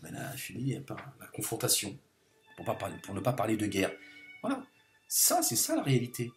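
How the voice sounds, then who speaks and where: A man's voice: on the low side, huge pitch swings, a little fast, faint music behind. A man delivering an impassioned political monologue to camera, hammering his points by repeating phrases over and over. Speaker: video commentator.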